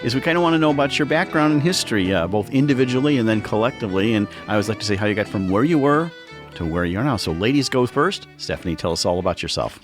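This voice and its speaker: A man's voice: lowish voice, expressive, quick pace, over music. A man hosting a radio interview in a casual conversational style. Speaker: radio host.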